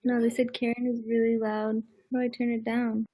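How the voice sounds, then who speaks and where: Husky-voiced woman, playful on video call. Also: on the high side, brisk. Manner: animated storyteller, playful teasing. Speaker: livestream guest. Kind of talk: casual livestream chat.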